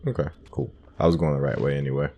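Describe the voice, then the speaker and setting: A man's voice: extremely low pitch, fairly even intonation, fast talker, warm tone. A man giving casual gameplay commentary as host of a playthrough, hesitant and thinking aloud. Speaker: gamer hosting a playthrough.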